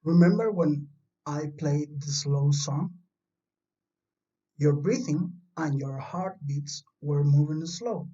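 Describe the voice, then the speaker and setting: With a mid-range voice, a Chilean science teacher for primary pupils speaks slowly and mellowly in a recorded lesson for young children. Explanations are simple, patient and reassuring, and the home audio is lo-fi, dull and distant.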